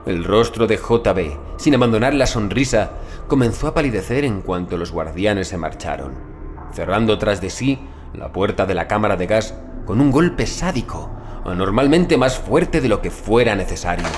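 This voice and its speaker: A man narrating a scripted first-person horror story in a measured, deliberate literary manner. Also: fairly low pitch, lively intonation, soft background music. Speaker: audiobook narrator.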